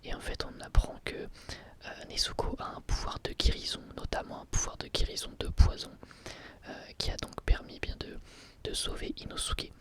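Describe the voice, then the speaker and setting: A man hosting his channel, reviewing an anime episode in a soft ASMR whisper, hesitating often with fillers. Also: normal speed.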